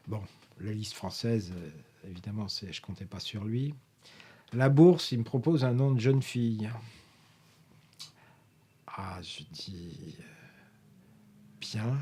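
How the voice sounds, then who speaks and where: A man's voice: lowish voice, dark tone, husky. An older man from France recalling a story in an interview, rambling with frequent hesitations and self-corrections. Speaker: interviewee, professor emeritus. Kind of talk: filmed interview, anecdotal recollection.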